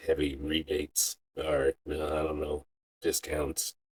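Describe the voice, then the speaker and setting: Putting on a character voice, a man speaks raspily at a fairly slow pace with very deep, low pitch. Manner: emotional, frustrated.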